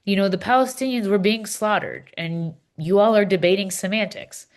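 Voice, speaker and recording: A woman reading the part of an earnest, impassioned Palestinian Christian in a scripted readers theater dialogue, speaking deliberately and with emphasis. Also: medium pitch, close to an everyday voice. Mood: grave, frustrated. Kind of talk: scripted dialogue read as measured conversation.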